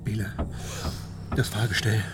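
Terse young actor as husband, loud noise behind. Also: male voice, fairly low pitch, steady tone, unhurried, natural voice. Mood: matter-of-fact. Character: terse, matter-of-fact young husband travelling. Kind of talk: radio drama acting.

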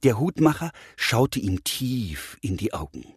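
A man narrating a children's fairy tale in an animated storytelling voice. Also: mid-range voice, unhurried, breathy edge, no echo, clean studio sound. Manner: animated, voicing all characters.

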